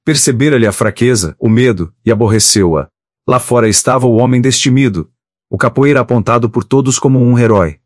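A man's voice: mid-range voice, a little fast, no echo, studio quality. Man reading an audiobook. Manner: steady literary reading. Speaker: audiobook narrator. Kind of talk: scripted narration.

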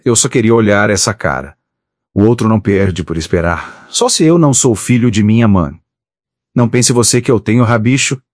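A man's voice: mid-range voice, no echo, studio quality, close to an everyday voice. A man voicing a proud, scornful male street fighter in an audiobook. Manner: scornful, boastful.

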